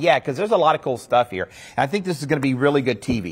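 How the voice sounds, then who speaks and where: Lively intonation carries an excited, enthusiastic tone. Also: man. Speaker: TV morning news field reporter. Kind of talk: live TV field report. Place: stage. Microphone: lapel.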